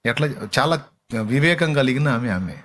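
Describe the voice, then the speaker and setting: A man's voice: medium pitch, normal speed. A male preacher, preaching expressively and acting out the people of the scripture story. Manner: expressive, voices dramatic quotes, affirms reader with short "aa". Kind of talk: sermon with Bible reading.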